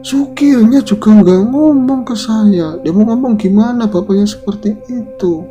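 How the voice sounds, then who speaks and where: A man's voice: sits high, a little slow, soft background music, voice pushed up. A man doing a proud old grandfather. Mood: demanding.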